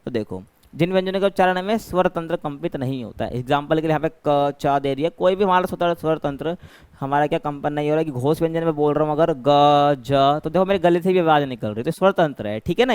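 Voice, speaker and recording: A man's voice: fairly high pitch, smooth, no echo. Hindi male tutor saying "ठीक है ना" often. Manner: explains step by step, often adds "ठीक है ना" and "भाई". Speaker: teacher. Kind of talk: exam-prep lecture.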